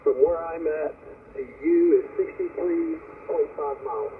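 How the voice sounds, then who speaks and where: Over a dull, faintly noisy shortwave link comes a male radio amateur with a somewhat high voice. He chats casually in a two-way exchange, his words carried by the radio. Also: wildly swooping pitch, unhurried. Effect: received over HF amateur radio. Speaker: amateur radio operator, contact on the air. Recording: noisy, band-limited shortwave radio reception.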